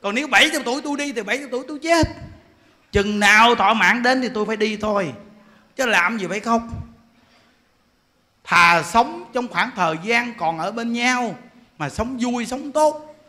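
Brief: forties monk, high bright voice, joking sermon. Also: male voice, moderate pace, pauses often. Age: 40s. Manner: animated, joking storyteller. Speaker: Buddhist monk teacher.

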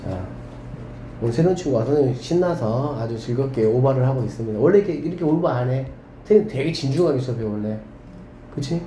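A man teaching a math class to students, lively and often checking whether they follow. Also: medium pitch, fairly quick. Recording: echoey room with faint background hum.

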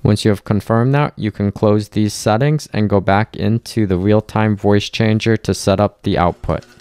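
Male tutorial narrator, smooth and fairly low, plain instructional delivery for software walkthroughs. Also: moderate pace, no room sound. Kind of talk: step-by-step software tutorial voice-over.

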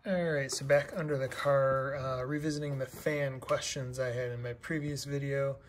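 Flat-voiced man narrating a garage car build. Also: medium pitch, moderate pace, a little hiss or hum. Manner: plain, methodical, many "uh" and "um" fillers. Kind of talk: casual build-update narration. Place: garage workshop.

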